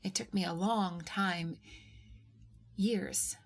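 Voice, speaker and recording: A woman narrating a first-person literary short story in a measured, expressive way with deliberate pauses. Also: mid-range voice, vocal fry.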